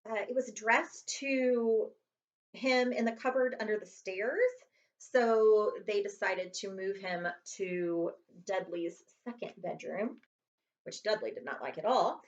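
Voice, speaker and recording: A woman's voice: mid-range voice, measured pace, dull audio. A woman reading a children's chapter book aloud as a librarian would to students, expressively and with dramatic emphasis.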